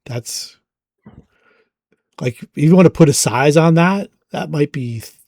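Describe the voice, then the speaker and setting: A man narrating as game master of a tabletop game in a relaxed, halting way with many fillers. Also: on the high side, no room sound, clean studio sound.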